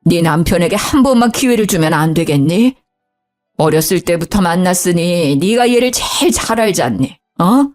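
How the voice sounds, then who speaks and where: Woman voicing older father-in-law, stern, blunt, lively pitch. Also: normal speed, faint music behind, close to an everyday voice. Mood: pleading. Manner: scolding bluntly, then coaxing gently.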